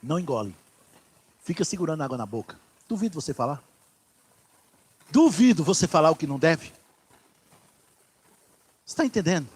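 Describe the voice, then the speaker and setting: A pastor preaching a sermon in church, swinging from loud declarations to hushed asides. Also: male voice, a little high, sing-song, normal speed, pauses often, slightly rough.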